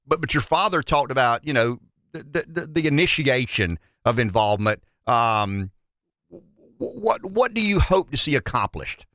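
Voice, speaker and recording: A man's voice: mid-range voice, sing-song, moderate pace, a bit bright, no echo, clean studio sound. A man with a Southern US accent hosting a conversational interview in a folksy way, often repeating words as he builds a question. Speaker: show host, interviewer.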